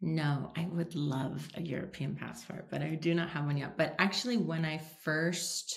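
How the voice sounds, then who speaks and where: With an American accent, a woman talks at a moderate pace with hardly any pauses, her very deep, low pitch carrying an animated tone over noticeable background noise. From US, New York City. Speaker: facilitator. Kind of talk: podcast interview.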